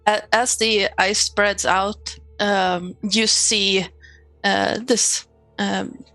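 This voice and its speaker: A woman with a bright, crisp-edged voice describes her character in a tabletop game. She speaks slowly, improvising as she goes, in a dry recording with faint music. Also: mid-range voice, little pitch movement, no room sound, rough recording.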